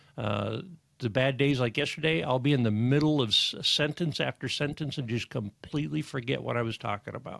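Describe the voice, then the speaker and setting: Using vocal fry, a man with an American accent talks at a fairly quick pace and medium pitch with ordinary pitch variation. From US, Idaho (Pocatello). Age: 50s. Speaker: podcaster with cancer, Navy veteran, nuclear engineer. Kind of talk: casual interview.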